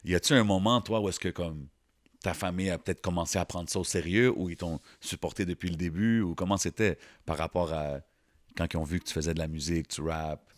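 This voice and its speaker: A man's voice: low-pitched, steady tone, a little fast, no echo. A man with a Montreal Quebec French accent co-hosting a podcast, chatting casually and agreeably with English words mixed in. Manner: agreeable, often affirms the guest. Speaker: podcast co-host, interviewer.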